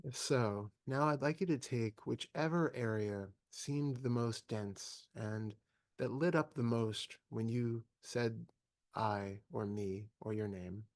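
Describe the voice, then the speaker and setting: A man leading a guided meditation as a teacher, speaking calmly and in measured phrases with long pauses. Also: mid-range voice, no room sound.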